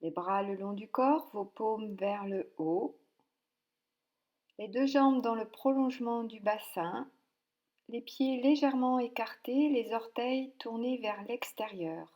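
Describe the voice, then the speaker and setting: Slow, soothing woman guiding relaxation. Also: on the high side. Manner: calm, soothing, with long pauses. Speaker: yoga nidra relaxation instructor. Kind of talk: guided meditation, softly spoken instructions.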